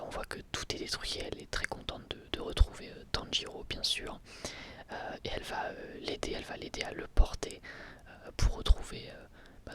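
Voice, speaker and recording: A man hosting his channel, reviewing an anime episode in a soft ASMR whisper, hesitating often with fillers.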